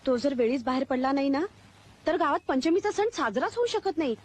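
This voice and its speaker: A woman's voice: high voice, expressive, a little fast. An actress playing a fiery young village woman who scolds and threatens to protect the man she loves. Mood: worried. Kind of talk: comedy film acting. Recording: film soundtrack with background noise.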